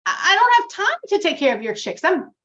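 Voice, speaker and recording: A woman's voice: high voice, very animated, sharp tone, exaggerated voice. A woman voicing a worried, overworked chicken farmer who fires off anxious questions about getting by. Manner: fretful, rapid run of questions. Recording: dull lo-fi recording.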